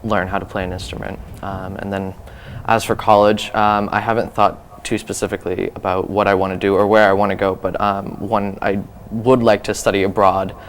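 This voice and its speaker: A teenage high school student answering interview questions, relaxed with frequent ums. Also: male voice, fairly quick, few pauses, a little hiss or hum. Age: teens. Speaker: guest.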